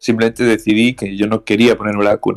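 Speaking at a fairly quick pace, a man uses a fairly low pitch and a monotone, flat intonation, with a dry, close sound and no echo. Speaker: podcast guest, emigrant. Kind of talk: casual chat.

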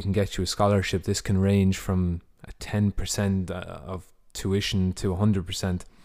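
With an Irish accent, a man of fairly low pitch and a dark, mellow tone talks at a moderate pace in a monotone, flat way, recorded very cleanly over a silent background. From Ireland. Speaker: fitness coach and podcast host. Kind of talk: solo podcast monologue. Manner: hesitant, frequent fillers.

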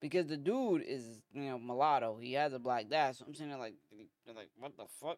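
A man's fairly high, animated voice with an American accent, ordinary pitch variation, big swings in loudness and a moderate pace. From US. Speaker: podcast host. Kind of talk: casual monologue.

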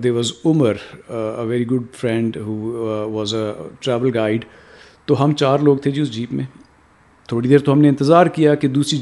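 This man has a medium-pitched voice with a dark, mellow tone. His intonation stays fairly even. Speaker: radio show host. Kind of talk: casual radio talk and storytelling. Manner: halting, self-correcting.

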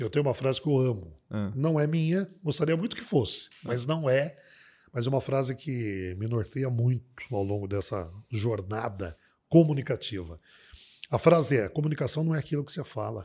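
In a very clean recording with a silent background, a man talks at a moderate pace with a medium pitch, lively intonation and a dark, mellow, somewhat breathy tone. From Bauru, São Paulo state, Brazil. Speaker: public speaking trainer. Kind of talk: interview.

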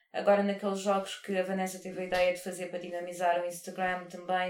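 Speaking at a fairly quick pace, a woman with a European Portuguese accent keeps a monotone, flat intonation. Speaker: podcast co-host. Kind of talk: casual chat.

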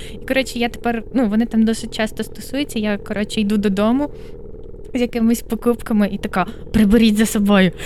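This woman talks at a fairly quick pace in a fairly high, monotone, flat voice. Background noise is noticeable. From Zakarpattia, western Ukraine. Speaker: artist and illustrator. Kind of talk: casual chat.

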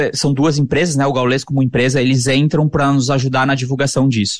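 A man with an unremarkable speaking voice talks at a moderate pace and a fairly high pitch. The sound is dry and close, with no echo. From Rio Grande do Sul interior (Erechim), Brazil. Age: 30s. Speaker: documentary filmmaker. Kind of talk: casual interview.

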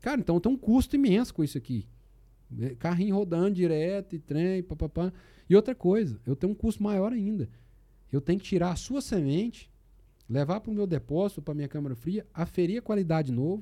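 A man speaks fairly quickly in a high pitch with a dark, mellow tone and lively intonation. The recording is very clean, with a silent background. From Brazil, Goiás (Goiânia). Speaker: agribusiness entrepreneur. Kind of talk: interview storytelling. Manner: halting, many fillers.

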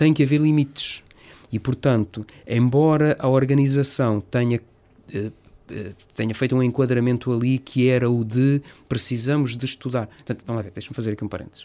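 A man's dark, mellow voice at a fairly quick pace, broken by long, frequent pauses. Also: medium pitch for a man, fairly even intonation. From Lisbon area, Portugal (childhood in Africa). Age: 50s. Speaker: marine biology professor. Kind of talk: interview.

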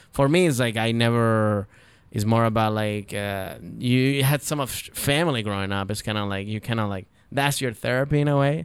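On a very clean recording with a silent background, a man speaks at a moderate pace with a Venezuelan accent. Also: medium pitch for a man, ordinary pitch variation. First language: Spanish. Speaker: stand-up comedian. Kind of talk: casual chat. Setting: studio.

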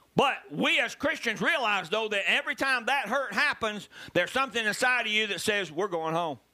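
The voice is raised and projected, with an animated tone. Lively intonation runs at a fairly quick pace. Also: man, high pitch for a man. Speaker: preacher. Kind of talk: sermon. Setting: church. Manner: animated, rhetorical, call-and-response with the congregation.

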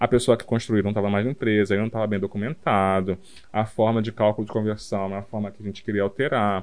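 Speaking at a very fast pace, a man keeps a fairly low pitch and a monotone, flat intonation over a quiet background. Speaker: podcast co-host, data professional. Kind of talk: casual chat.

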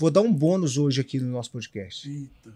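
In a normal speaking voice, a man talks at a fairly quick pace with lively intonation and a dry, close sound with no echo. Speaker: evangelist and podcast co-host. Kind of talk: casual chat.

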